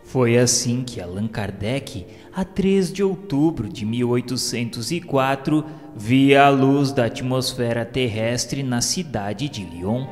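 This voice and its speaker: A man's voice: medium pitch, slow pace, few pauses, a little mellow. Male narrator, Brazilian, formal and literary read for a devotional radio drama, big reverberant sound over a music bed. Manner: solemn, formal, literary delivery. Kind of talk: scripted narration of a religious radio serial. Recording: long hall reverb.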